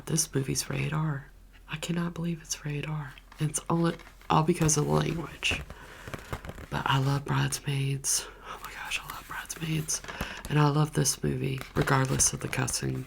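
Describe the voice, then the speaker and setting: A woman softly whispering chatty, gushing movie recommendations as an ASMR vlogger. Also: extremely low pitch, flat delivery, normal speed, creaky, background noise. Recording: keyboard clicks and typing behind voice.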